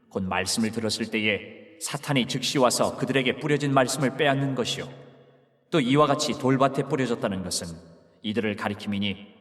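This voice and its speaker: A man voicing Jesus as a grave, solemn teacher in a dramatized scripture reading, speaking slowly and with measured weight. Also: medium pitch, fairly bright tone, big-room sound, lightly acted.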